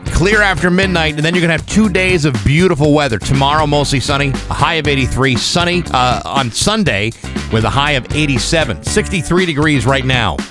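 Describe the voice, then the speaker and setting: A man speaks as a morning show host in a radio studio. His delivery moves between station announcements and easy conversation, with music clearly playing behind him. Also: on the high side, a little fast.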